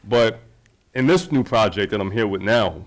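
Male filmmaker guest, somewhat low voice, easygoing rambling delivery. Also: animated, moderate pace. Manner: loose, rambling, fillers and restarts. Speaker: documentary filmmaker. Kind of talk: casual conversation.

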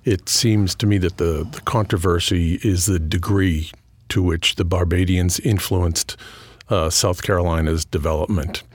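A middle-aged man with a New England accent, a history professor answering interview questions in a thoughtful, measured way with frequent fillers and restarts. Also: low voice, fairly even intonation, dry recording. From New England, just outside Boston. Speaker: history professor and author, guest.

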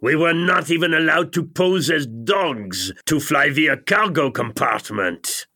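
Pompous, bright-voiced intellectual played by a man, speaking slowly. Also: fairly high pitch, animated, exaggerated voice. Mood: lofty disdain. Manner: pompous, scornful, wordy. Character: pompous European intellectual Jacques, disdainful radical critic. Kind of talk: scripted mock-retrospective narration.

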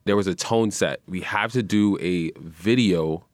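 Unhurried and easygoing, a deep-voiced young man drops "man" and "you know" frequently while chatting as a guest in a radio studio. He is a musician and radio personality in a casual interview, recorded with no room sound.

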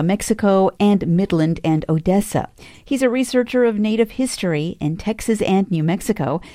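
A woman hosting a public radio program, with a measured, clear delivery. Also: lowish voice, dark tone, no echo, studio quality. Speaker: radio host.

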